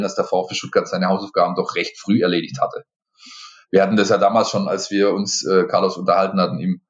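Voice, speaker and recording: Deep-voiced male host, conversational and reflective. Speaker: journalist podcast host. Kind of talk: casual podcast discussion.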